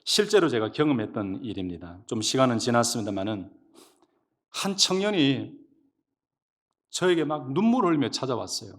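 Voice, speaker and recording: A male pastor preaching a sermon, telling stories in an animated, emphatic way from the church pulpit. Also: mid-range voice, moderate pace, long pauses. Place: church sanctuary. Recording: long reverb of a church hall.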